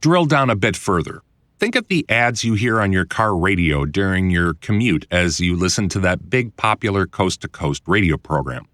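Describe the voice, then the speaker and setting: A man reading his own instructional audiobook in a conversational, clearly enunciated way, like a voiceover producer explaining the trade. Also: deep voice, lively intonation, normal speed, fairly bright tone, no echo, studio quality. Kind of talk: scripted instructional narration.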